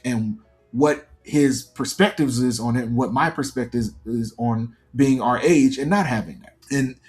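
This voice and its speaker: With soft background music, a man in his early forties speaks unhurriedly in a mid-range, darkish voice. He's a fiction podcast creator being interviewed conversationally, offering earnest, reflective, lengthy answers.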